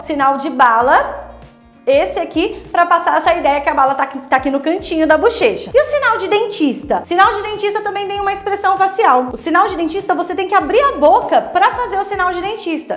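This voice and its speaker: A woman's voice: high voice, reverberant. A woman teaching sign language in a video lesson, explaining step by step and speaking straight to the viewer.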